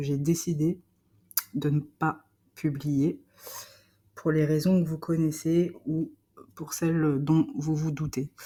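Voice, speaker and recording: A woman's very deep, low voice, dark and mellow in tone, with flat, monotone intonation at a very slow pace. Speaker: tarot reader. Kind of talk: tarot reading video. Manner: hesitant, many filler sounds.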